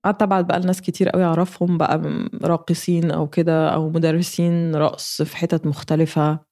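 A woman's voice: sits low, little pitch movement, fast, dark tone. A woman in her thirties with an Egyptian Arabic accent, telling a personal story candidly in an interview, laughing now and then. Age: 30s. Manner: candid, laughs while recounting.

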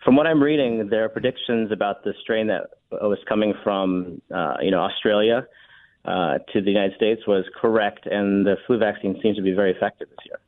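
A man who is an emergency room doctor, calling into a radio show and explaining things in a calm, plain manner. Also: lowish voice, fairly quick. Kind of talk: phone-in interview. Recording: tinny phone line.

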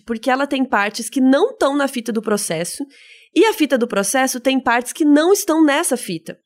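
Chatty woman explaining case details. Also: on the high side. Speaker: podcast co-host. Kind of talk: casual true-crime retelling.

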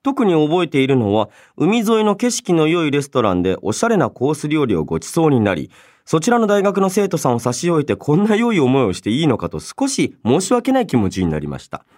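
A man hosting a radio show on his own, reading listener mail and chatting in polite, expressive speech with emphatic reactions and softer asides. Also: on the high side, a little fast. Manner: polite conversational phrasing.

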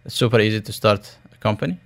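A man from the United Arab Emirates giving a radio interview as a startup founder, pitching in tech jargon with halting, repeated words. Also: gravelly.

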